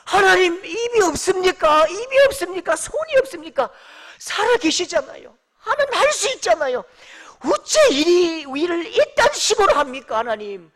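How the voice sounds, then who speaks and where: A man's voice: very high voice, big pitch swings, normal speed, a bit bright, pitched above the performer's own voice, exaggerated voice. A man voicing an anguished prophet who rants and pleads at God in a Daegu dialect. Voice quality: raised, pleading and ranting.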